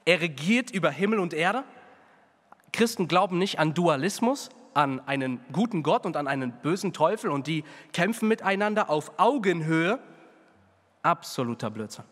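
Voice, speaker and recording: Male pastor, fairly high voice, passionate sermon delivery that drops to quiet appeals, long church reverb. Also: animated, normal speed. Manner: preaching with big swings between fervent and hushed.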